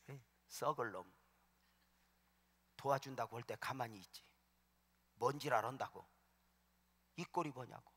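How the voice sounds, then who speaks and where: Man, middle-aged pastor, bright forceful voice, storytelling sermon, loud bursts and whispers. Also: medium pitch. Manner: storytelling, swings from hushed asides to loud shouting. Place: large church sanctuary.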